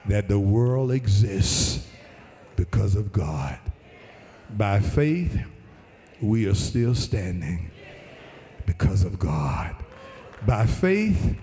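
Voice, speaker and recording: A man with an African American accent preaching a fervent church sermon in emphatic, repeated, drawn-out phrases that can rise toward a shout. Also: on the low side. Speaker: pastor preaching. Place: large reverberant church hall. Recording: long hall reverb, music under the voice. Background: musical instrument playing under the preaching.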